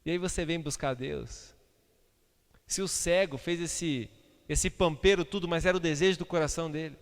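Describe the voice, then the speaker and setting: Impassioned high-voiced pastor preaching. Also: male voice, moderate pace. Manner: impassioned, swinging between loud outbursts and hushed asides. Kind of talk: sermon. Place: church sanctuary. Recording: reverberant church hall.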